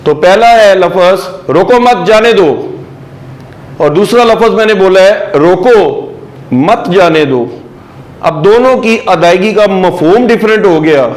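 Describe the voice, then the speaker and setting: Slow-talking male grammar teacher. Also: on the high side, a little mellow, roomy sound, poor audio. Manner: asks questions and answers them himself; mixes English terms into Urdu-flavored Hindi. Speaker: English teacher. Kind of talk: classroom grammar lecture.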